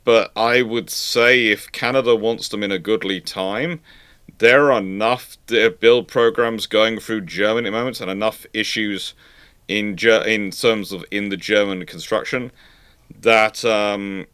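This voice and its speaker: A man giving informal expert commentary as he answers questions on a live show, emphatic and correcting, often halting and repeating words. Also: fairly low pitch, fairly even intonation, a bit bright, clean tone, no room sound. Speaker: host of a naval history live Q&A.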